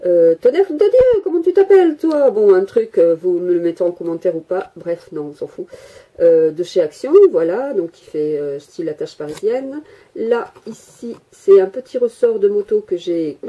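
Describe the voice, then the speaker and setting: In a casual, chatty show-and-tell, a woman holds a camera on her handmade miniature workshop and talks, rambling with plenty of hesitations and self-directed jokes. Her voice is mellow and on the low side, at a normal speed, picked up by the camera's mic.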